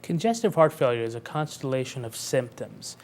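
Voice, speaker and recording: Man in his thirties as a cardiologist guest, calm and measured, with a mid-range voice. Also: mid-range voice. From Pakistan, raised in North Carolina. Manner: calm, measured, explains clearly with analogies. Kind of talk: explanatory interview answers.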